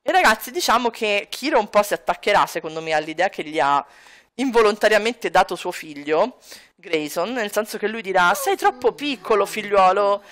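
A woman's voice: medium pitch, expressive, brisk, a bit bright. A woman hosting a gaming channel, narrating her game casually and chatting to viewers. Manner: chatty, addresses viewers, puts on character voices. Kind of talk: casual let's play narration.

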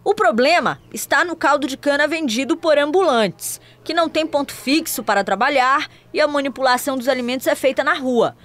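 A woman reporter narrating a news feature in lively, scripted delivery. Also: high-pitched, brisk, hardly any pauses. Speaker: field reporter.

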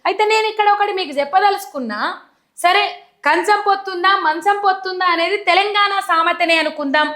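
Young telangana woman ranting earnestly to camera, very high voice, telangana telugu accent. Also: brisk, pushed and bright. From Telangana, India. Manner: earnest, emphatic, colloquial. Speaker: political commentator. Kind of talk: direct-to-camera commentary.

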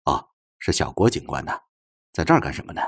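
A gentle male professor, played by a male narrator, speaks in a very deep, husky voice. He is courteous and tactful, softly putting his questions in an audiobook story. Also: very animated, fast talker, full character voice. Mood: polite, apologetic. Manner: soft, courteous, probing questions.

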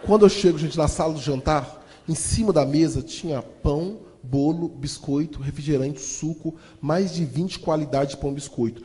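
A man telling a comic life story to a live audience as a motivational speaker, lively and theatrical, often turning to address the crowd. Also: on the high side, moderate pace. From Brazil. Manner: animated, addresses audience as "gente", acts out voices. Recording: long hall reverb.

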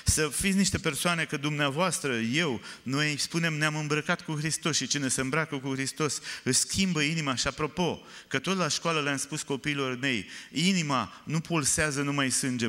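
A man preaching a sermon, telling stories with animated, often loud emphasis, recorded in a church. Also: medium pitch. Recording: reverberant church hall.

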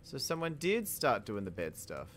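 A young man giving casual let's-play commentary while playing, rambling and self-mocking, quick to laugh and exclaim. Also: medium pitch, huge pitch swings, a bit bright, slight background noise. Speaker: gaming YouTuber.

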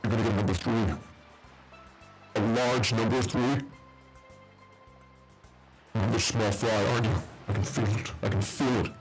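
A man putting on a deep, menacing male villain voice, talking in low, slow mock-menace. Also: steady tone, music in the background, lightly acted, poor audio. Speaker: streamer.

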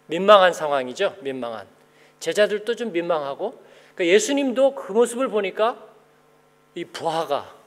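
A male pastor giving a conversational sermon, often asking the congregation questions and acting out the people he describes. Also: high voice. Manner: animated, asks the congregation questions; acts out the people he quotes. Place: church sanctuary. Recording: long church hall reverb.

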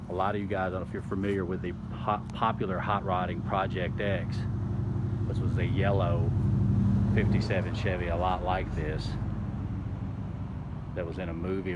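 A man's voice: deep voice, muffled recording. A man casually narrating a walkaround video outdoors beside a house, rambling and restarting as he goes. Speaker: car video host. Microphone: handheld camera, speaker off screen. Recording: outdoor video with clear background noise.

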